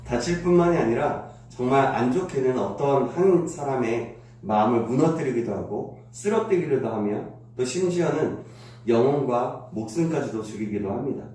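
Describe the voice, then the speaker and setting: A man preaches at a dawn prayer service, his voice congested and weak, with throat clearing and "uh" pauses in a slow, careful delivery. His tone is dark and mellow. He is recorded from some distance in a very echoey church sanctuary. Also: medium pitch, expressive. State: nasal congestion, voice not coming out well. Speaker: pastor. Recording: very echoey room, distant mic.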